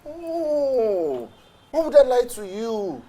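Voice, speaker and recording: A man's voice: very high voice, very animated, takes it slowly, warm tone, exaggerated voice. An actor with a Nigerian accent playing a cornered husband who stammers and pleads with his angry wife. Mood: pleading. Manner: pleading, stammering, mixing Yoruba and English.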